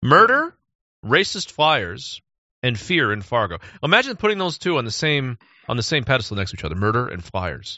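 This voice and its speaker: With vocal fry and very wide pitch swings, a man at medium pitch talks at a fairly quick pace. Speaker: podcast host. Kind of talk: casual banter podcast.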